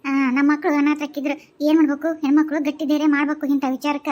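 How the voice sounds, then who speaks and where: A firm, self-assured village woman from a cartoon, as a woman voices her, with a North Karnataka accent. She soothes and instructs in a high voice at a quick pace. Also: completely flat delivery, mellow, lightly acted. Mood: soothing firm. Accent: North Karnataka Kannada. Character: confident older village woman giving advice. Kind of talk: cartoon voice acting.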